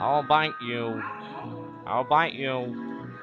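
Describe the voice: A man's put-on character voice at medium pitch, with clear music in the background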